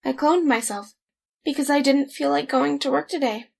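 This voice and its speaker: A woman's voice: high-pitched, normal speed, creaky. A woman playing an exasperated, worn-out young woman in an amateur audio drama. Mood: weary. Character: exhausted, exasperated young woman who clones herself.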